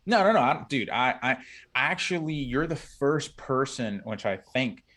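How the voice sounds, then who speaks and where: A man's voice: mid-range voice, animated, moderate pace, a bit bright. A man in his thirties talking earnestly as a podcast guest, rambling with many restarts. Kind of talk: casual chat.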